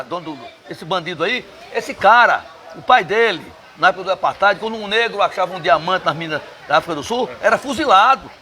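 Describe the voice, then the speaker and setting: High-voiced, combative Northeastern Brazilian man. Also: bright, forceful tone. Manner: emphatic, combative, salty language. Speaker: interview guest. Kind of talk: casual bar interview. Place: bar.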